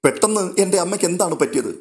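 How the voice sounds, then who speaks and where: A man voicing a frantic middle-aged mother who pleads and wails in quick questions. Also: high voice, lively intonation, pitched above the performer's own voice. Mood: grieving.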